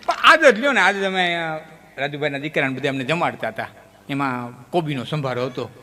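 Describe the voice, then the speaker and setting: A man telling comic folk stories on stage, with lively, sudden jumps in pitch. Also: a little fast, faint music behind. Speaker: folk storyteller. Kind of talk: folk comedy storytelling on stage. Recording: long hall reverb.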